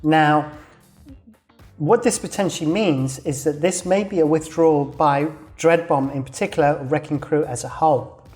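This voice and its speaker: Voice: medium pitch, normal speed, darkish tone. A host giving a casual weekly news rundown of a game world while drawing on a map, talking in a loose, rambling way with many fillers and self-corrections, voice slightly worn. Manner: laughs at own doodling while drawing on screen. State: slightly losing voice. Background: faint background music.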